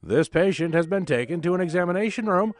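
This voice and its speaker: A man's voice: high-pitched, expressive, quick pace, soft background music. A man announcing, giving a scripted introduction to a comedy sketch.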